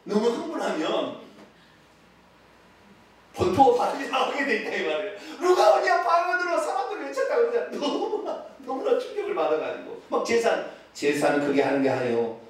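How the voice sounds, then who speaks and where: A pastor preaches in a high, very lively voice with a regional Korean accent, swinging from loud exclamations down to near-whispers. He is picked up from well away from the mic, and the church sanctuary echoes heavily around him. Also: fairly quick, far from the mic. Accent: Korean regional dialect. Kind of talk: sermon.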